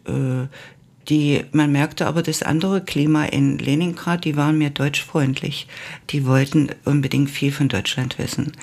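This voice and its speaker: Older woman with a gravelly voice. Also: sits low, darkish tone. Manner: slow and reminiscent, with frequent hesitations. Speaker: interviewee, former Russian teacher. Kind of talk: oral history interview.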